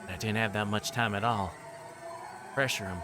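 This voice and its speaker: A man with a fairly low voice reads a story game aloud for a livestream. He now and then trips on a line and corrects himself. There is clear background noise with chirping insects behind him. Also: fairly even intonation, normal speed. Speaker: streamer reading a visual novel aloud. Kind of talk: live read-aloud of a story game, with asides.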